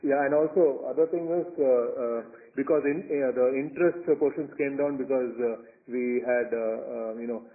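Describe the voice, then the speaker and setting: A man's voice: medium pitch, steady tone, moderate pace, few pauses. A man with an Indian accent answering questions as a company executive on an earnings call, hesitant and often repeating words as he explains. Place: conference call over phone line. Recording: tinny narrowband phone conference line.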